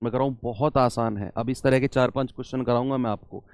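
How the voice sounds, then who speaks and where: A man teaching an exam-prep math lesson, coaxing his students with questions and swinging between loud and soft. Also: medium pitch, fairly even intonation, fast talker, no room sound.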